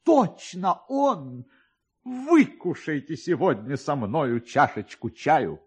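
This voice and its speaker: A man acts out a pompous minor official in a radio story. He is excitable and exclamatory, with a raised pitch and big swings of intonation. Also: slow, breathy edge, heavily acted. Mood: overjoyed. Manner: exclamatory, agitated.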